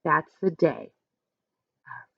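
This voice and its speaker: Expressive woman teacher reading aloud. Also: sits low, takes it slowly, gravelly, no echo, narrow, tinny audio. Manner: explains simply, addressing young listeners directly. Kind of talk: animated picture-book read-aloud with teaching asides.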